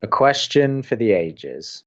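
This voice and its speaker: A man's voice: lowish voice, sing-song, slow, fairly bright tone, lo-fi sound, full character voice. A man playing a dry, skeptical, awkward young college radio co-host in an audio drama. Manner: dry, hesitant.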